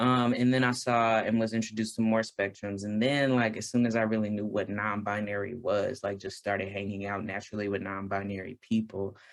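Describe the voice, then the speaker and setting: A man's fairly low voice with an American accent, flat and monotone, at a fairly quick pace with hardly any pauses. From Texas. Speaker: poet and essayist. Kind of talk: interview conversation. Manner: casual, hesitant with fillers.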